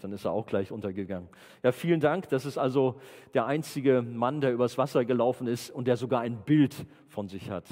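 A man's voice: medium pitch, dark tone, in a large hall. A man preaching an informal sermon to a youth group, playful and chatty, often asking the audience questions.

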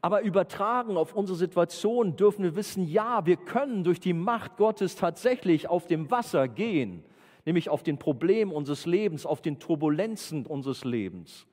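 A man's voice: high-pitched, animated, normal speed, darkish tone, big-room sound. A man preaching an informal sermon to a youth group, playful and chatty, often asking the audience questions.

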